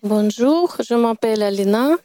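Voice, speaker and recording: A woman from Ukraine, a French learner, speaking hesitantly with many pauses. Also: on the high side, dark tone. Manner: very slow, hesitant.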